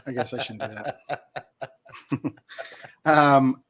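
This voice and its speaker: Man, fifties, bright clear voice, playful host energy, self-deprecating humor. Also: medium pitch, slow pace. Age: 50s. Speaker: comedy show host. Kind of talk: casual comedic banter.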